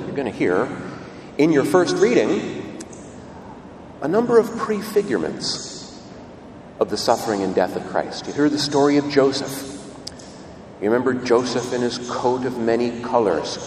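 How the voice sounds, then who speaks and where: A man serving as priest, reading the gospel and preaching a homily at Mass, with a lively, emphatic delivery in a cathedral echo. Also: medium pitch. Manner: lively preaching, leaning hard on key words. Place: large church. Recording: long church reverb, distant mic, room noise.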